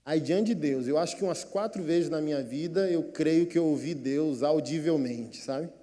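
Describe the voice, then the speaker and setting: A man's voice: fairly high pitch, normal speed, mellow, big-room sound. A Brazilian man, a pastor, preaching a sermon with emotional storytelling that acts out vivid inner dialogue.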